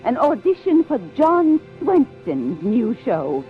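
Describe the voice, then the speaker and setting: A woman playing an aging, passionate stage actress in a 1950s-style detective radio play, theatrical and halting. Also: on the high side, wildly swooping pitch, exaggerated voice. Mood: insistent. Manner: theatrical, halting with emphatic repetition. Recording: lo-fi radio drama, faint music.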